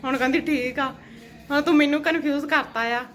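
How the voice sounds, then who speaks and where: A woman's voice: sits high, fairly even intonation, a little fast, a bit bright, slight background noise. A woman chatting casually as a family vlogger, in a dramatic, plaintive exclaiming manner. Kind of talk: casual home vlog chat.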